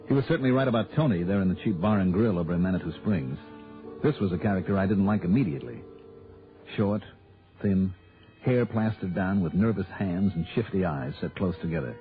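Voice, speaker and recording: An actor playing a wisecracking hardboiled investigator who narrates his case, in a 1960s radio drama. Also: low-pitched. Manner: dry, wisecracking, clipped. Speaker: narrator and lead detective. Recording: tinny old radio broadcast with music.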